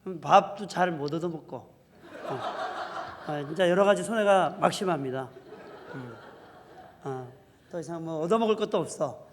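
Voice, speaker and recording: A male pastor preaching a sermon, swinging between loud declarations and soft asides. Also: a little high, normal speed, pauses often, a little hiss or hum. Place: church sanctuary. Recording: long hall reverb.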